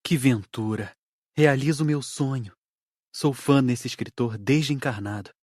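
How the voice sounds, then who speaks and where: Eager young guy voice, dropped low, super enthusiastic, storybook reading, lady putting him on. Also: a little slow, darkish tone, dry recording, studio quality. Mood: delighted. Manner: enthusiastic, dreamy. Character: eager young man, enthusiastic spirit student. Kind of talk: audiobook character voice.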